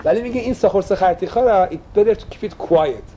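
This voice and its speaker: A man's voice: high voice, dark tone, muffled recording, slight background noise. A man teaching a casual religious class, asking his listeners questions and slipping English phrases into his talk.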